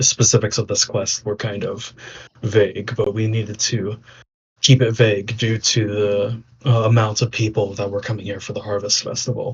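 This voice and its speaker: This is a put-on character voice, raspy in texture. It moves at a moderate pace with monotone, flat intonation. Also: man. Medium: actual play.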